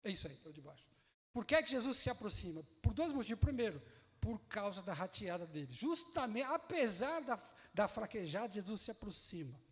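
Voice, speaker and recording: A man with a Brazilian Portuguese accent preaching a sermon in lively, colloquial storytelling that acts out the scenes. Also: high voice, brisk. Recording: echoey hall reverb.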